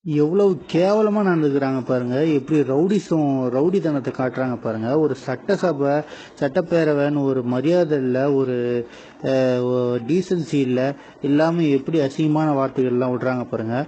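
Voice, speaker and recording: A man's voice: fairly high pitch, normal speed, dark tone, dull audio, a little hiss or hum. A man with a Tamil accent giving indignant, mocking news commentary in casual speech.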